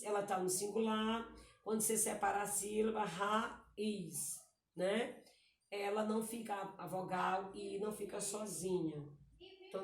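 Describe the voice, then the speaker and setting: A woman teacher, patiently explaining grammar exercises and often checking in with the class. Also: mid-range voice. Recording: echoey room, voice far from the mic.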